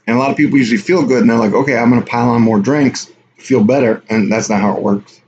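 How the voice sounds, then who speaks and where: A man chats loosely to his viewers in a rambling, offhand way, reading their comments aloud as he goes. His voice sits at an ordinary pitch. The audio is dull and lo-fi, with a faint hiss underneath. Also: fairly even intonation, fast talker, a little mellow. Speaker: livestream host. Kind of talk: casual live stream chat with viewers.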